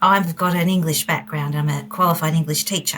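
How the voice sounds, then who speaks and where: The delivery is fairly quick. It comes in an Australian accent. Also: woman. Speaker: art therapist. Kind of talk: casual chat. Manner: halting.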